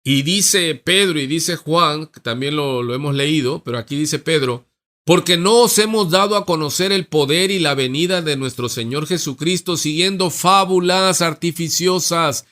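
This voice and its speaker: A male pastor delivers a sermon in a church, reading scripture aloud. He speaks at a very slow, deliberate pace. His voice is bright and sits a little high for a man. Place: church sanctuary.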